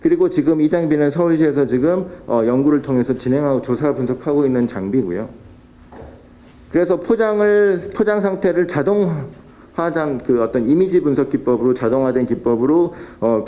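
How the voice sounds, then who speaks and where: A man's voice: fairly high pitch, lively intonation, a little fast, mellow. A man presenting at a policy forum, explaining technical methods with fillers and restarts. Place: council hall.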